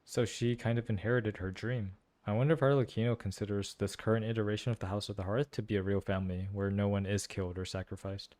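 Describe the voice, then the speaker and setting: A man's voice: lowish voice, steady tone, quick pace, hardly any pauses, a little mellow. A man giving casual, musing playthrough commentary and analysis, repeating phrases for emphasis. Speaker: gaming streamer reacting to a story quest.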